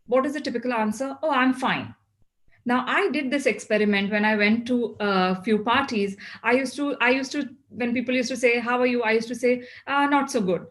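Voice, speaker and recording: A woman with a South Asian accent speaks in a fairly high voice as she gives a motivational talk. She is instructive, setting out points and putting questions to her listeners that she then answers. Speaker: well-being speaker addressing a group.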